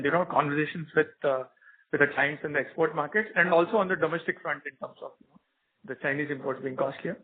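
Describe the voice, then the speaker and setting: A man asking questions as an analyst on an earnings call, polite and hesitant in his phrasing. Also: on the high side. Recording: tinny narrowband phone line.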